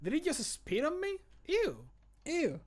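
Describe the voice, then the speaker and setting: A man's voice: very high voice, huge pitch swings, measured pace, pitched above the performer's own voice, full character voice. A man voicing an irritated, disgusted fantasy game character who hurls insults in a scornful, exclaiming way. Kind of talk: video game mod voice acting.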